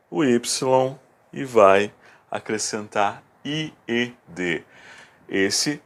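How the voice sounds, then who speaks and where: A man teaching a video lesson, explaining rules patiently and step by step, repeating key words slowly. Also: fairly low pitch. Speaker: English teacher.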